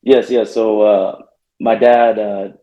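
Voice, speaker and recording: A young man from Northern California, a college football player answering interview questions, soft-spoken and hesitant with many fillers. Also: lowish voice, little pitch movement, takes it slowly. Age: young adult. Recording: echoey, muffled remote call line.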